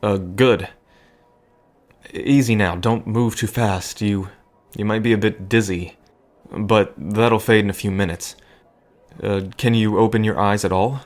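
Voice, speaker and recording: A man playing a gentle, nervous bartender who rambles earnestly and hesitantly, in an intimate audio drama. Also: on the low side, steady tone, a little slow, close to an everyday voice. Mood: concerned, reassuring. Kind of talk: intimate audio drama acting addressed to listener.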